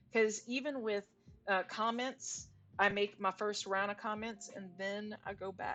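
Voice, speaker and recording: A woman with a bright, sharp tone speaks with fairly even intonation. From Louisiana, Cajun. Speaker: tech author and livestreamer. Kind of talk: casual livestream chat while writing. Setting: livestream without video. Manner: casual, conversational with filler words.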